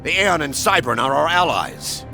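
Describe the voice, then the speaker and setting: A stern, lively-voiced general. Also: male voice, a little high, normal speed, vocal fry, music in the background. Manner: authoritative, curt. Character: stern commanding general giving orders. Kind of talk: video game cutscene acting.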